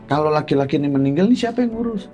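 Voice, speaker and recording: Teasing man, animated pitch swings. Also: very fast, lo-fi sound. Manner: teasing, provoking, often interrupting. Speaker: moderator of a comedy debate show. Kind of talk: teasing comic panel banter.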